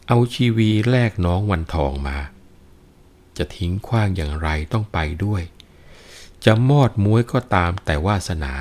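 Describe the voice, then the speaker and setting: Male reciter, deep register, slow deliberate delivery, melodic chanting of classical verse with plain spoken asides. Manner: melodic drawn-out chanting, raised and ringing when reciting. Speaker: reciter and teacher of classical poetry.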